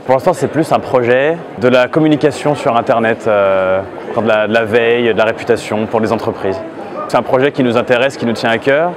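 A man's voice: mid-range voice, steady tone, fairly quick. A young man in his twenties interviewed at a crowded trade fair, speaking hesitantly with many fillers. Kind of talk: street interview. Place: busy indoor exhibition hall. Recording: busy crowd noise behind. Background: crowd chatter.

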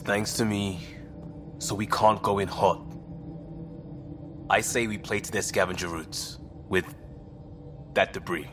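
Low-voiced, anxious young crewmate. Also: male voice, fairly bright tone. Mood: determined. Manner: halting, informal, clipped phrases. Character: earnest young male crewmate, anxious, guilt-ridden, impulsive. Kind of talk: video game cutscene dialogue.

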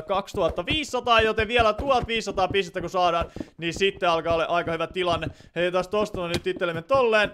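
High-voiced young Finnish gaming streamer. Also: male voice, fairly bright tone, slight background noise. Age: teens. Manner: chatty, many fillers, reads and answers chat. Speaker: Minecraft streamer. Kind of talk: live gameplay commentary. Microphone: desk microphone.

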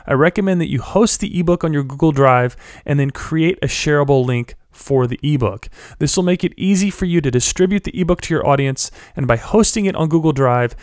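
A young man with a stuffy head cold, giving friendly step-by-step instructions in a software tutorial voice-over. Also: fairly high pitch, dry recording, clean studio sound. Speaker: blogger teaching a software tutorial. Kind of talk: screen-recorded tutorial voice-over.

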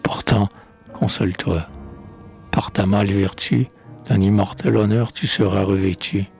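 A man reading the part of a compassionate god, speaking in a gentle, consoling recitation. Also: on the low side, fairly even intonation, measured pace, gravelly, faint music behind.

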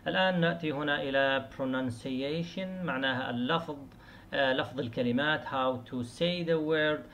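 A man teaching an English lesson to students, explaining in Arabic and reading English examples slowly, repeating words to show stress. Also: mid-range voice, a bit bright, a little hiss or hum.

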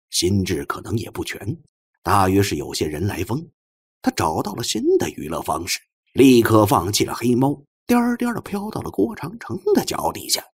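A man narrating an audiobook as an animated, theatrical dramatic storyteller. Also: lowish voice, breathy edge. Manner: expressive, theatrical delivery.

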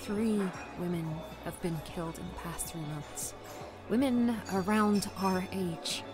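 A woman in her twenties playing a lively, teasing young influencer friend in an audio drama, with music under her voice. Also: fairly low pitch, slow. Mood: chatty.

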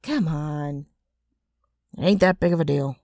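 A woman playing a brash, mischievous ghoul with a rough, gravelly voice and a wheedling, sardonic manner in an ASMR roleplay. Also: low-pitched, measured pace, mellow, no echo, studio quality. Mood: scheming, coaxing. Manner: wheedling, sardonic, drawling with abrupt swings.

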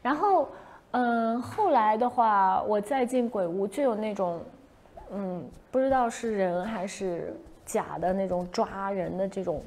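A young woman hosting a casual livestream, telling a story in an animated way and acting out her own past shouts. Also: mid-range voice, a little slow, slight background noise. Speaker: livestream host.

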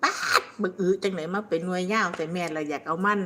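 A woman's voice: lowish voice, quick pace, noisy background. An older woman with an Isan accent from northeastern Thailand, chatting casually on a live stream, reading out viewer comments, rambling and laughing often. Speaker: livestream host.

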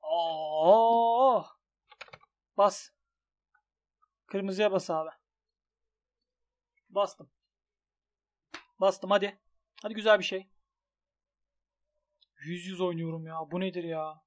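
High-voiced excitable young man. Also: slow pace, pauses often. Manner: excitable, swings from grumbling to shouting at losses. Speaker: gaming YouTuber. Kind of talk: commentary on an online gambling site.

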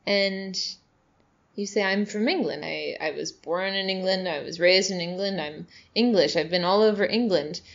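A woman's voice: mid-range voice, moderate pace. Chatty woman hosting a podcast. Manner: chatty, supportive, many fillers. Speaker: podcast host. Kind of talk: casual interview. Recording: dull lo-fi audio.

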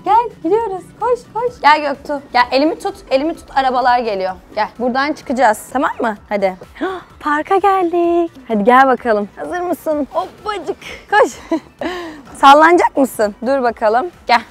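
At a playground, a young woman's high, expressive voice moves at a moderate pace as she vlogs casually and talks to a toddler. Her tone is playful and coaxing, a sing-song baby talk broken by frequent laughter, over soft background music.

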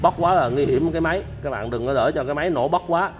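A man's voice: fairly high pitch, quick pace, a little hiss or hum. A man casually showing and explaining used machines to camera at night, talking with lots of fillers and direct address, filmed on a phone. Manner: chatty, repeats "các bạn", many fillers. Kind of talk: casual product demo to camera. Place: at night in a storage area full of machines. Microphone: phone camera held while filming.

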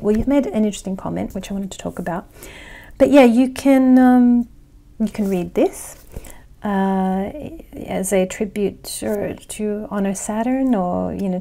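Mellow-voiced Australian woman chatting. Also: mid-range voice. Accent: Australian with some American and English. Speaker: astrology channel host. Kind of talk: casual talk to camera. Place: indoor living room. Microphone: clip-on lapel mic.

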